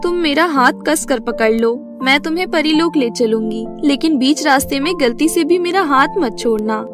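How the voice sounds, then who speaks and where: Casting: actress as young fairy heroine for cartoon storybook, very high voice, earnest, lovestruck, music underneath. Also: female voice, normal speed, natural voice. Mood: reassuring. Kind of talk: Hindi animated fairy-tale voice acting.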